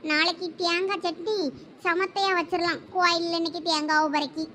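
A woman's voice: extremely high pitch, level tone, moderate pace, bright, forceful tone, slight background noise. A woman voicing a scheming woman, talking in a sly, plotting way.

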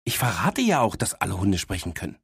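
A man's voice: sits low, wildly swooping pitch, fast talker, slightly rough, no echo, studio quality, heavily acted. A man voicing an opinionated young female talking dog, cheeky and sarcastic, in an audiobook. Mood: smug. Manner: cheeky, know-it-all, sarcastic. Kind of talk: audiobook character voice.

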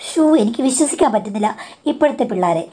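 A woman's voice: medium pitch, lively intonation, quick pace, warm tone. A woman in her forties telling a first-person story in a chatty way, acting out the dialogue.

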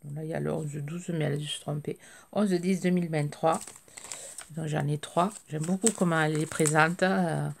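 A middle-aged woman, slightly hoarse, chatting hesitantly with many fillers as she opens craft mail at home. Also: low-pitched, fairly even intonation, moderate pace, a little hiss or hum. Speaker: craft vlogger. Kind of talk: casual chat while unboxing mail. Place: craft table indoors, home.

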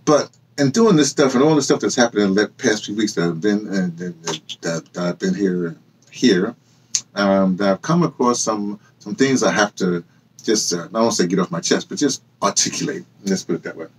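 A husky-voiced man in his sixties, pitched fairly low and speaking at a moderate pace, rambles casually to camera, drifting into asides and correcting himself as he tells his story. He hosts a personal memoir channel and works as an audio dramatist, filmed in a small room with bookshelves and hung clothes. The recording is rough, with a little hiss or hum.

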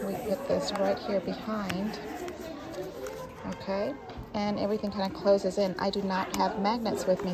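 A woman host casually walking through her scrapbook pages detail by detail, filmed on a handheld phone at a busy craft retreat in a large hall. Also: medium pitch. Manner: chatty, friendly, walking through each detail. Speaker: paper craft channel host. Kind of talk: casual craft show-and-tell vlog. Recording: busy crowded hall chatter.

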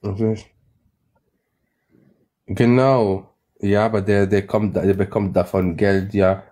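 Brief: male stream host, lowish voice, non-native speaker with Arabic as his first language, halting, full of restarts. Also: level tone, warm tone. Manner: halting, many restarts and fillers, non-native German grammar. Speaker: livestream host. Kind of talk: casual live-stream debate chat.

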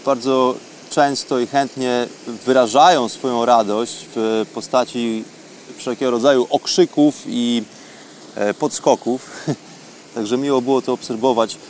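A man hosting a programme, talking unscripted as in an audio travel diary, with halting, reflective phrasing. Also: mid-range voice, fairly even intonation, darkish tone. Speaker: radio programme host. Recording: faint background ambient noise.

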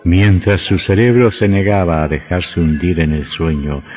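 A man narrating a radio drama in a measured, suspenseful way. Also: low-pitched. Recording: dull lo-fi audio with faint music.

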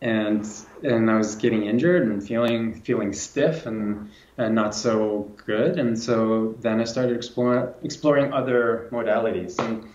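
A man's voice: fairly low pitch, measured pace, a little mellow, a little hiss or hum. A man in his forties from Lithuania, a coach telling his story reflectively in an interview over a video call. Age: 40s. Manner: reflective, many restarts and repeats. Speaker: guest, movement and strength coach. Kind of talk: casual interview talk. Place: home room with plants and guitar, indoors. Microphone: video call, camera at a distance. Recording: roomy, dull video call audio.

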